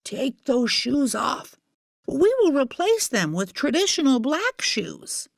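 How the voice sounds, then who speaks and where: A woman's voice: high-pitched, very animated, slow, creaky, dry recording, studio quality, voice pushed up, full character voice. A woman voicing a stern, proper old lady guardian in a storybook tale, with a prim, commanding manner.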